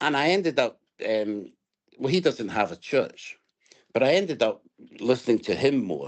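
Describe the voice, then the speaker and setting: Pausing long and often, a man with a Scottish accent talks at a moderate pace in a fairly high pitch with lively intonation. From Scotland, Glasgow. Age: 60s. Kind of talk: interview testimony.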